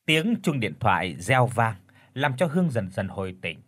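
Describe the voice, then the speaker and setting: Husky male audiobook narrator. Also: fairly low pitch, normal speed, dry recording. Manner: dramatic, expressive. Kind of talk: storytelling narration.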